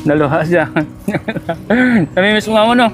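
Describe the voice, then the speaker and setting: Outdoors on a sunny street, a vlogger handing out gifts chats casually in a fairly high-pitched, expressive man's voice, kind and encouraging. He keeps checking in with quick, repeated little questions, and music plays clearly underneath the whole recording.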